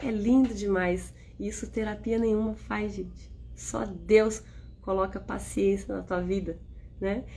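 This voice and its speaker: At a very slow pace, a woman speaks in a space with audible room echo. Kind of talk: devotional teaching live. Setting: livestream. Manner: calm.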